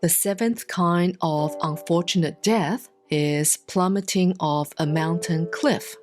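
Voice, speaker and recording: Slow, low-pitched woman reading sacred scripture. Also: a little mellow. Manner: measured, deliberate enunciation with long pauses. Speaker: Buddhist nun reading scripture aloud. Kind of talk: solemn scripted sutra reading. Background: instrumental music.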